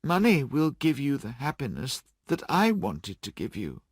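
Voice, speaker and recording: A man voicing a sorrowful young woman who speaks softly and sadly. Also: mid-range voice, wildly swooping pitch, breathy edge, no room sound, studio quality, pitched above the performer's own voice, full character voice. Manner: soft, sad, measured speech.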